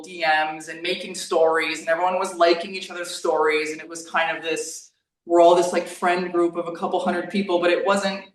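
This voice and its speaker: A woman in her thirties talking casually in an interview, rambling and peppering her speech with "like". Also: lowish voice. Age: 30s. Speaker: YouTube creator on diet. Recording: echoey room, distant from the mic.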